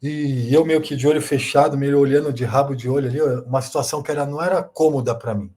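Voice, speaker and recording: A man's voice: mid-range voice, fairly even intonation, quick pace, dark tone. A Brazilian Portuguese-speaking man, a guest, telling a personal testimony in a rambling way with many fillers and repeated words.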